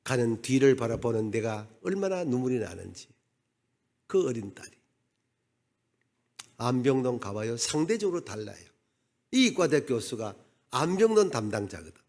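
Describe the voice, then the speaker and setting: A man's voice: medium pitch, moderate pace, pauses often. A middle-aged man preaching a sermon, telling stories and acting out the people in them. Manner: animated storyteller, acts out dialogue. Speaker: pastor. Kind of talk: sermon storytelling.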